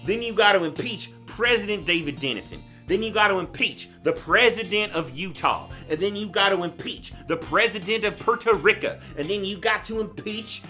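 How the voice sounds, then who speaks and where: A man playing a brash, loudmouthed redneck guest who rants crudely and rambles on a comedy show. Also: sits high, expressive, normal speed, few pauses, faint music behind. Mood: ranting. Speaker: guest ranter.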